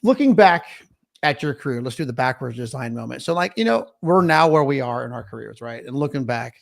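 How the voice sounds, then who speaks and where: A raspy man over fifty hosting an interview in a casual, rambling way full of fillers. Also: medium pitch, lively intonation, brisk. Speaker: podcast host, choir teacher.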